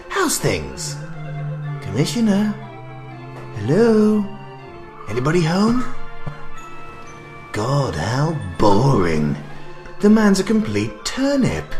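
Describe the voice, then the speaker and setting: An actor playing a theatrical, deranged clown villain in a radio drama, gleeful, mock-genteel and taunting. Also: male voice, mid-range voice.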